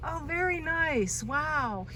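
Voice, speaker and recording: High-pitched woman vlogger interviewing casually. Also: lively intonation, slow pace, sharp tone, a little hiss or hum. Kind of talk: casual on-camera interview chat.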